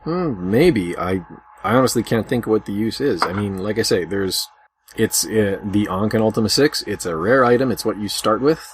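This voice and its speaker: Low-voiced male podcast host, noisy recording. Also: expressive, normal speed. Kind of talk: casual panel discussion. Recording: noisy lo-fi amateur podcast audio.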